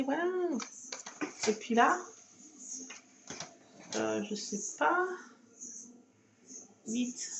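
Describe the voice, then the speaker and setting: This scrapbooking host talks to camera in a chatty way while crafting at her table at home one night, muttering to herself and fussing over her cat. She has a slightly high voice with vocal fry, and there is background noise.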